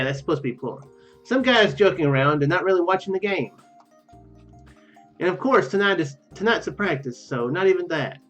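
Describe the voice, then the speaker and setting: A man doing casual game commentary and reading visual novel text aloud, rambling, halting and often correcting himself. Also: on the high side. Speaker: let's play video host. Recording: muffled lo-fi mic, music behind. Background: game music.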